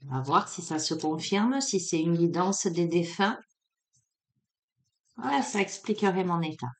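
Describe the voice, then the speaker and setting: A woman with a faint southern French accent, from Marseille, doing a casual oracle card reading, hesitant and drowsy, with many pauses and fillers. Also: on the low side, lively intonation. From Marseille, France. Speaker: card reader.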